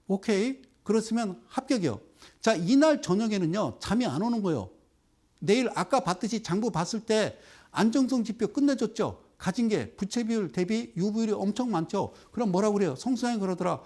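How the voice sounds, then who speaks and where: A middle-aged man with a high voice gives a lively televised investment lecture on markets, quizzing viewers and addressing them directly with rhetorical questions. At times he slows into drawn-out explanation while pointing at a chart.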